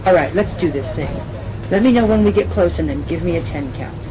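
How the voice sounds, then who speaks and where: A woman playing a determined young female TV news reporter in an amateur radio drama, brisk and earnest, on a noisy recording. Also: fairly low pitch, lively intonation, natural voice.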